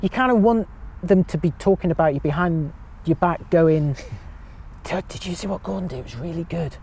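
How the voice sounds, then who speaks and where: Man, high tenor voice, chatty podcast guest, self-mocking, light street noise behind. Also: normal speed, a little mellow. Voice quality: high-pitched voice. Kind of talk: casual chat.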